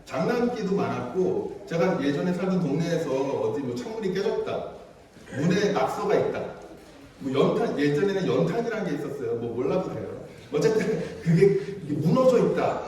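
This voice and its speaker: A man preaching a children's sermon as pastor, chatty and playful, speaking gently to the kids. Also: a little high, sing-song, moderate pace, a little hiss or hum. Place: church sanctuary. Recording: echoey church hall from far off.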